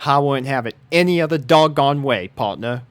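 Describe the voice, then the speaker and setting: A man's voice: medium pitch, expressive, normal speed, no echo, pitched above the performer's own voice, natural voice. A man voicing a friendly, folksy country mare who talks with a drawl.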